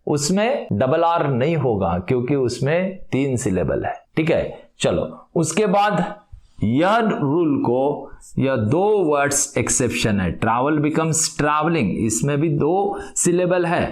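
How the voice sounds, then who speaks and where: A man teaching English grammar, asking questions and answering them himself, stretching out example words slowly. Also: a little high, echoey room. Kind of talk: explanatory lesson with questions to viewers.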